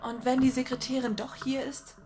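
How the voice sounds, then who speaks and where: A woman's voice: high voice, level tone, normal speed, a little mellow, natural voice. A woman playing a dutiful, anxious junior agent in an audio drama. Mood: anxious, hushed.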